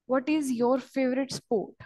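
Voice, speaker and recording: A woman's voice: sits high, steady tone, a little slow, warm tone, no room sound. A woman acting as examiner in a mock speaking test, asking brief, formal questions over a video call.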